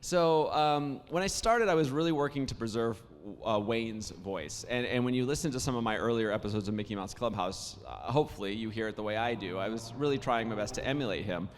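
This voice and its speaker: A man who is a voice actor, hoarse after days of talking, telling stories in casual panel conversation with plenty of restarts and fillers. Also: on the low side, brisk, few pauses, in a large hall. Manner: warm storytelling, many restarts and fillers.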